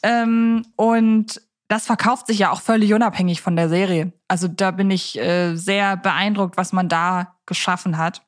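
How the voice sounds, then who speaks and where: A woman's voice: medium pitch, fairly even intonation, normal speed, few pauses. A woman co-hosting a podcast, chatting casually as a fan of the subject. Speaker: podcast co-host.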